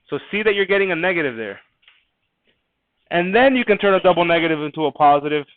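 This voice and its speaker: Man, math teacher, quiz review, casual classroom talk, fairly high voice, dry thin phone-like recording. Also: dry recording. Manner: casual, conversational, repeats words while thinking. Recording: dry, phone-like narrow sound.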